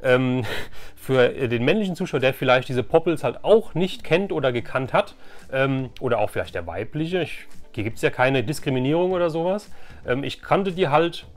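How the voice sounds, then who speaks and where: A man's voice: mid-range voice, lively intonation, normal speed, faint music behind. A middle-aged man hosting a casual, chatty toy-collecting vlog in a rambling, enthusiastic way. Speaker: host of a vintage toy collecting channel. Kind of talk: casual chatty flea market haul vlog. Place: room at home.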